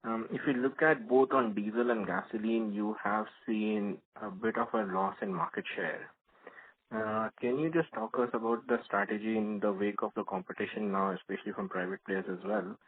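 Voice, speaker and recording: Guy analyst asking stuff on a conference call, husky, phone-line sound. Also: on the low side, fairly even intonation, normal speed, dry recording.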